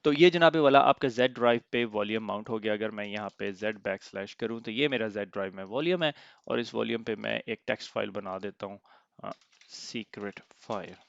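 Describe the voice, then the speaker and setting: A man teaching an IT lesson step by step, pausing often to check in, his throat slightly sore. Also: lowish voice, gravelly, highs cut off. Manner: explains step by step, often asks "theek hai?". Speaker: IT instructor. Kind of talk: screen-recorded software tutorial.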